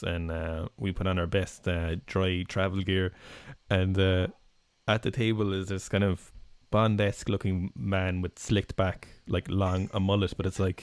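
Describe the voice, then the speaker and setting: A man with a very deep, low pitch in an Irish accent. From Ireland. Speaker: podcast co-host, strength coach. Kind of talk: casual chat, travel storytelling. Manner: animated.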